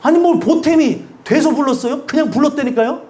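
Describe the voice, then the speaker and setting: A male pastor giving an emphatic, conversational sermon and often asking the congregation questions. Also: a little fast. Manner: acts out quoted speakers with sudden drops in pitch and loudness.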